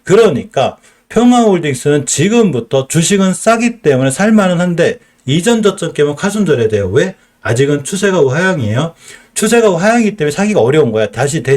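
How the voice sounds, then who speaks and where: A man's voice: fairly high pitch, very animated, fairly quick, a little mellow. A middle-aged man with a Chungcheong accent, teaching stock charts on a live stream, explaining and asking and answering his own questions. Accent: Chungcheong Korean.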